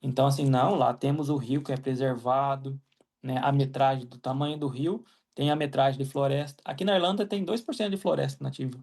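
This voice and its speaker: A man's voice: medium pitch, fairly even intonation, a little fast, vocal fry, a little mellow. A young Brazilian man from Mato Grosso, answering interview questions casually with lots of "né?" tags and restarts. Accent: Brazilian Portuguese. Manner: many fillers and "né?" tags, restarts. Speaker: guest, agronomist living in Ireland.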